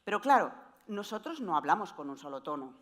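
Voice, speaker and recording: A woman giving an explanatory presentation talk on voice, with wide, lively swings in pitch. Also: brisk. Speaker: voice coach speaker.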